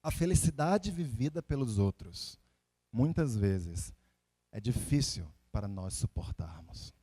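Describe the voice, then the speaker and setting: A man Salvador, preaching conversationally in an animated storytelling way, with rhetorical questions and repeated phrases for emphasis. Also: mid-range voice, unhurried. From Salvador, Bahia, Brazil. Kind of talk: conversational sermon with personal anecdotes and scripture readings.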